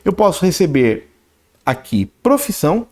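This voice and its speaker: A man teaches programming in a screen-recorded coding lesson. He explains as he types and reads the output aloud, often adding a quick "né?". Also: high-pitched, very animated, darkish tone. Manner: talks while typing code, reads output aloud, frequent "né?" and "ok?". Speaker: programming instructor.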